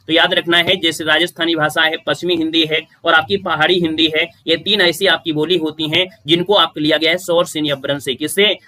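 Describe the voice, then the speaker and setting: Male teacher, exam question walkthrough, slightly high voice, bright tone, repeats answers, calls students sir. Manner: addresses listeners as sir, repeats answers emphatically. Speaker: Hindi grammar teacher.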